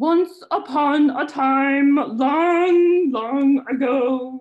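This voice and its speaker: A high, female-sounding, put-on character voice at a very slow pace. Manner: beastly, storybook reading.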